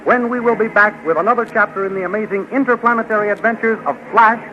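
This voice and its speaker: A man announcing and narrating a 1930s radio serial in a bright promotional manner, recorded on a dull old radio broadcast. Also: high-pitched, fast, noisy background.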